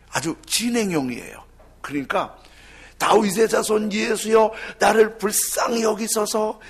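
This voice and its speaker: A male pastor preaching a sermon with dramatic swings between loud cries and near-whispers. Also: on the high side, slightly rough.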